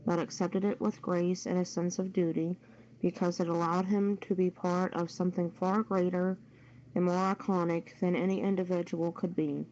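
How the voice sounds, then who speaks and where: A woman reads news as co-host of an amateur radio show. Her voice is mellow and on the low side, and she takes it very slowly. The audio is lo-fi, with some faint noise. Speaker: co-host reading news stories.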